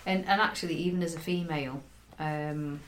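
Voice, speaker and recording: A woman with a Cheshire accent hosting a podcast, teasing her co-host warmly and laughing easily. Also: deep voice, fairly even intonation, a little fast, a little hiss or hum. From North West England. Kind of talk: casual chat. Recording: roomy echo.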